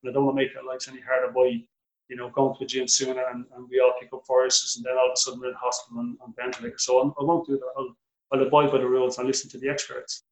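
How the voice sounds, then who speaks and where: A middle-aged man with an Irish accent, a boxing coach answering interview questions, animated and restarting his sentences often. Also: medium pitch, very fast, roomy sound, rough recording. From Ireland. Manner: animated, repeats words when starting sentences.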